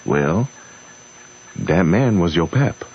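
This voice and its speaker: A man's voice: low-pitched, sing-song, slow, highs cut off, full character voice. A man acting a kindly, steadfast, folksy Southern runaway in a radio drama. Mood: earnest, kindly. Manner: folksy, earnest.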